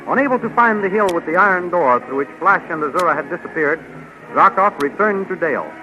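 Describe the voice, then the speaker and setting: A man's voice: high voice, lively intonation, a little fast. A man announcing and narrating a 1930s radio serial in a formal, declamatory manner. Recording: dull lo-fi 1930s radio recording. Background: music.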